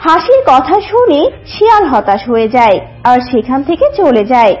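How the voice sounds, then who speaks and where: A woman narrates a children's story in a high, very expressive voice. Music plays behind her, and the sound is slightly dull. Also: moderate pace.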